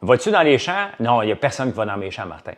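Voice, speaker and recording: A man's voice: mid-range voice, sing-song, quick pace. A man with a Québécois French accent, a farmer and business owner, chatting casually to a live audience and rambling from topic to topic with many fillers.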